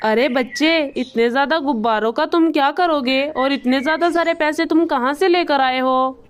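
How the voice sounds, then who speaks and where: A woman voicing an easygoing male crow who sells balloons in a cartoon, in a lowered, altered voice. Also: moderate pace, close to an everyday voice. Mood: kindly, puzzled.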